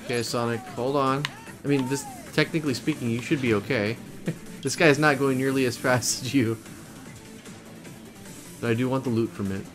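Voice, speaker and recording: A man streaming a video game live, chatting and reacting out loud as he plays. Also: mid-range voice, normal speed, pauses often. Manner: chatty, reacting aloud with frequent laughs. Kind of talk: live gameplay commentary. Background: game music.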